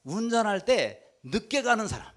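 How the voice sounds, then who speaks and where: A man preaching a Sunday sermon as senior pastor, telling an anecdote and acting out the quoted dialogue with lively swings in voice. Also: high-pitched, moderate pace.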